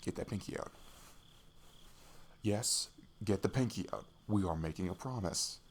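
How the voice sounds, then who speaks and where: A man playing a shy, affectionate young best friend in an intimate ASMR roleplay, speaking softly and haltingly with a giggly manner. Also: deep voice. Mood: earnest, careful. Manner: halting, giggly, soft-spoken. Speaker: audio roleplay performer. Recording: faint noise, night crickets behind. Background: crickets and night insect ambience.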